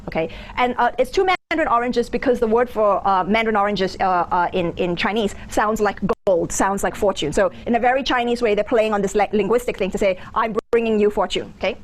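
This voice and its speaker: A woman in her thirties with a mixed Singaporean and American accent, giving an informal, conversational lecture. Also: a little high. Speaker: business school lecturer. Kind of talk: interactive lecture with anecdotes. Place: lecture theatre with audience. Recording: background noise of a lecture room.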